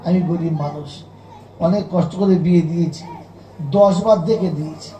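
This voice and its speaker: A man preaching, voicing a poor, gentle older father who softly coaxes his daughter. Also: fairly high pitch, moderate pace, echoey room, voice pushed down, natural voice. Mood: pleading.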